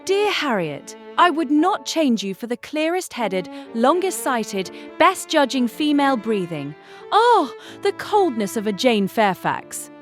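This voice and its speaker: A woman playing a confident, affectionate young gentlewoman in a classic novel audiobook, speaking earnestly and articulately. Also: high voice, big pitch swings, unhurried, faint music behind, pitched above the performer's own voice. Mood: fervent, admiring. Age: young adult.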